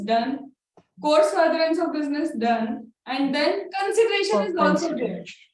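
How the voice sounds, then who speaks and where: This woman talks at a moderate pace in an Indian accent, her high voice full of lively intonation. Audible echo fills the room. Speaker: accountancy exam teacher. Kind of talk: live online lecture. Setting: live online class.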